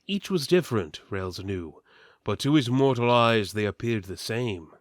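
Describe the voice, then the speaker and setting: Theatrical man with sweeping, animated pitch. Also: no room sound, clean studio sound. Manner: theatrical, solemn, deliberate emphasis. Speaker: story narrator. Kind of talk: dramatic reading of mock-epic fantasy fiction.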